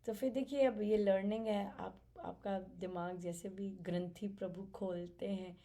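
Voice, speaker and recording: A woman softly sharing her spiritual learnings at a family gathering, reflective and halting. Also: medium pitch, steady tone. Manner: soft-spoken, reflective, halting with fillers and light laughs. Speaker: satsang participant sharing experience.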